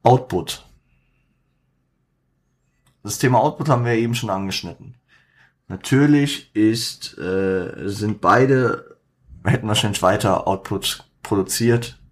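A man hosts a podcast with a slightly low voice, in casual commentary. He talks haltingly, with fillers and self-corrections, and mixes in English slang. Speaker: podcast host.

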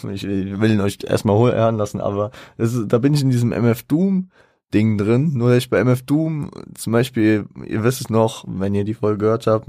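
A man's voice: lowish voice, darkish tone, dry recording, studio quality. A young man chatting casually in German about a rap album, rambling and correcting himself as he goes. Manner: rambling, self-correcting, laughs often. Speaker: podcast host. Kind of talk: casual music commentary.

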